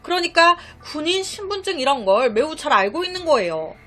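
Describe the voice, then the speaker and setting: A woman's voice: high-pitched, sing-song, a little fast, pushed and bright. A woman narrating a true-crime story in a chatty, conversational way, with asides to her listeners. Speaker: storytelling YouTuber. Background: faint background music.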